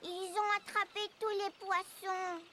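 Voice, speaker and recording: A performer voicing a curious, excitable four-year-old boy in a children's cartoon, with a childlike, inquisitive delivery. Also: very high-pitched, measured pace, background noise.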